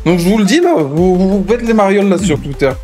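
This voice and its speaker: A man's voice: high-pitched, expressive, quick pace, dark tone, faint music behind. A man improvising a hot-headed gang brawler in a gaming roleplay, confrontational and full of swearing. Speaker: GTA roleplay gamer and streamer.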